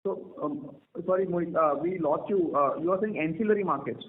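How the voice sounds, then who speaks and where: A man's voice: on the high side, brisk, background noise. A man replying conversationally as a company executive on a call with analysts. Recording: tinny conference phone line.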